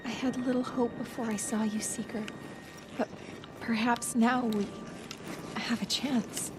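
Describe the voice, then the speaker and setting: A woman's voice: on the high side, fairly even intonation, a little slow, over music, natural voice. An actress playing a grieving, devout tribal woman in the aftermath of war in a video game. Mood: weary, pleading. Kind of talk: dramatic video game acting.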